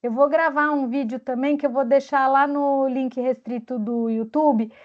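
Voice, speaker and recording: A woman's voice: high voice, fairly even intonation, moderate pace. A woman coach talking casually in an online meeting, thoughtful and searching for words. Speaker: guest speaker and coach. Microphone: video call. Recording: dull lo-fi video call audio.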